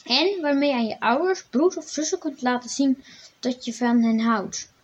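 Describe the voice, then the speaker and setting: A woman reads a children's Bible story aloud in a plain storytelling voice, then speaks directly to the young listeners. Her voice sits high. The recording sounds dull and lo-fi. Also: animated, normal speed, slightly rough.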